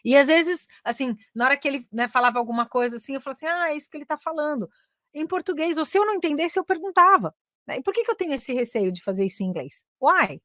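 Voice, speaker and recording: A Brazilian woman coaching English communication, chatting in a lively teaching manner and often switching into English with a Brazilian accent. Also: high-pitched, fast, dry recording, studio quality. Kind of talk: casual teaching talk.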